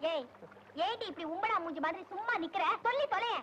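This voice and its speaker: A woman's voice: extremely high pitch, animated, quick pace, very noisy. An actress playing a bossy older village woman who scolds and teases, with a Tamil accent. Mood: scolding. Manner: scolding, teasing. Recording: old film soundtrack under loud music.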